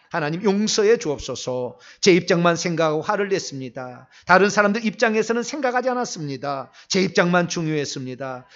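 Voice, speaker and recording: A man with a notably high-pitched voice leads a night prayer meeting as the pastor, guiding the congregation through confession. The recording sounds dull and lo-fi, as if captured in a church. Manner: slow confessional prayer, then loud fervent shouted prayer. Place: church sanctuary.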